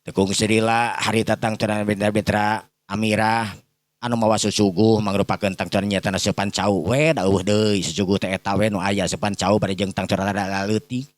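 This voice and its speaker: Low-voiced Sundanese storyteller man, rambling. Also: flat delivery, normal speed, no echo. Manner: rambling, repetitive, often addressing listeners. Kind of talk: informal improvised folk-tale narration.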